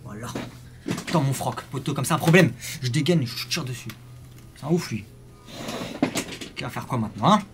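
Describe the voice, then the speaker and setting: Young male gaming commentator, jittery, high lively voice, faint background hiss. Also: normal speed, long pauses. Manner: jumpy, swings from startled yelling to hushed muttering; French street slang. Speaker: gaming youtuber. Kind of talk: live horror game commentary.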